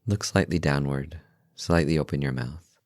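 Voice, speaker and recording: A man with an extremely low voice guides a meditation, calm and gentle. He speaks in short, unhurried phrases with long pauses between them. The sound is dry and close, with no room around it. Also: no echo. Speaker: meditation guide, podcast host.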